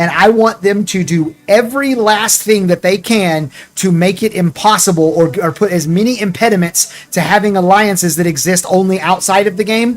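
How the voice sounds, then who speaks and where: A man's high pitch with ordinary pitch variation, animated tone and moderate pace, with music in the background. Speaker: gaming streamer. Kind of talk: casual chat.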